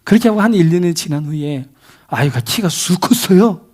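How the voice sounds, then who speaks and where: A man's voice: high-pitched, expressive, a little fast, a little mellow. A middle-aged man preaching a sermon as a pastor in a church, telling stories and asking the congregation questions. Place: church sanctuary.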